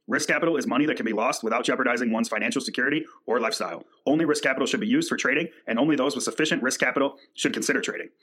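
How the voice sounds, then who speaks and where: Rapid-fire man reading a legal disclaimer. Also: mid-range voice, fairly bright tone. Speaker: disclaimer announcer. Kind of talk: fast scripted legal disclaimer read.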